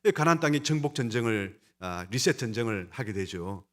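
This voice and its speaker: A male pastor preaches with a mid-pitched voice. His delivery is emphatic and swells and drops as he speaks directly to his congregation. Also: lively intonation, brisk. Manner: emphatic, rising and falling delivery. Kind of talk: sermon.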